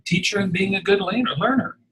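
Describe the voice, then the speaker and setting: A middle-aged man hosting an interview podcast, friendly and halting, with many fillers. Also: high-pitched, fairly bright tone, a little hiss or hum, rough recording. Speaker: podcast host, university educator.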